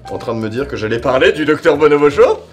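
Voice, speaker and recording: With music playing behind him, a man presents a review of an audio series in a slightly high, sing-song voice at a quick pace. His talk is slangy and casual, rambling conversationally and repeating points for emphasis.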